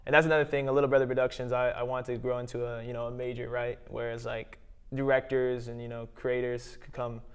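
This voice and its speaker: Young male guest, smooth voice, relaxed and rambling. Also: mid-range voice, quick pace. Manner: easygoing, rambling, heavy on fillers. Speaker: filmmaker guest. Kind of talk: casual interview chat.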